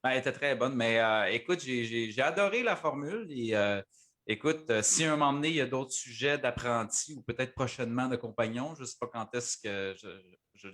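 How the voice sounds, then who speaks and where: Male guest, mid pitch, easygoing and halting. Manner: relaxed, hesitant with fillers. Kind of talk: casual podcast chat.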